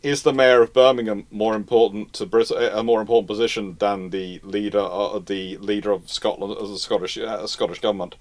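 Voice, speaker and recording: A man's voice: lowish voice, fairly even intonation, a little fast, few pauses. Man hosting an emphatic casual history chat. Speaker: host answering viewer questions. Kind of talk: casual live naval history Q&A.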